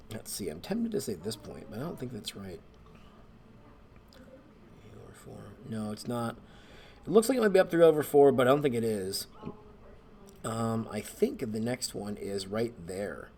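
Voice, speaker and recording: A man, a math teacher, relaxed and thinking aloud as he walks through homework problems and corrects himself along the way. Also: medium pitch, normal speed, slight background noise. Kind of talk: homework walkthrough screencast.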